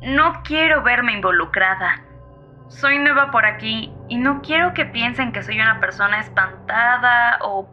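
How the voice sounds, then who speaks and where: A young woman playing a nervous, chatty emergency caller in an audio horror drama, hesitant and rambling. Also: fairly high pitch. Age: young adult. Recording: muffled lo-fi phone-call sound over music.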